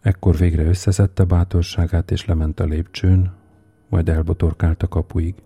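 A man reading a story aloud in a slow, measured, suspenseful way. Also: low-pitched, level tone, mellow, slightly rough. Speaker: narrator. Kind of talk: audiobook reading.

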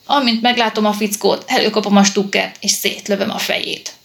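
A woman's voice: medium pitch, fairly even intonation, vocal fry, fairly bright tone. A woman reading the lines of an eager, hot-headed young male lieutenant in an audiobook.

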